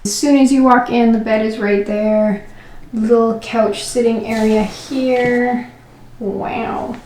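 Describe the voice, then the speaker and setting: A woman's voice: on the high side, fairly even intonation, takes it slowly, a little mellow, a little hiss or hum, low-quality recording. A woman talking casually to camera as a travel vlogger, in an informal, conversational way with "like" sprinkled through. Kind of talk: casual vlog chat to camera.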